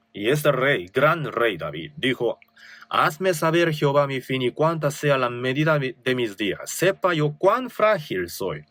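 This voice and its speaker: A man's voice: medium pitch, big pitch swings, slow, fairly bright tone, no room sound. A male pastor with a Korean accent preaching a sermon, reading scripture with rising emphasis and asking rhetorical questions.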